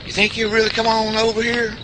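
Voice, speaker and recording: A man playing an excitable backwoods country sidekick with a rural Southern US accent in an audio drama. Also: high-pitched, quick pace, noisy background, natural voice. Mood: doubtful.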